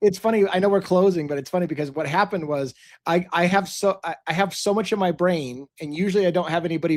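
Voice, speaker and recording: This man's pitch is high and his pitch variation ordinary. He talks very fast. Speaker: streamer and channel host. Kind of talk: live stream chat.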